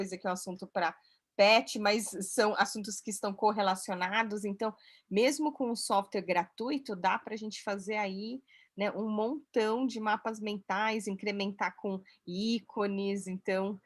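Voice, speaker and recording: A woman instructor interviewing a student and walking through software steps in a clear, encouraging way. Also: medium pitch, fairly even intonation, normal speed. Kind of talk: explaining software while interviewing.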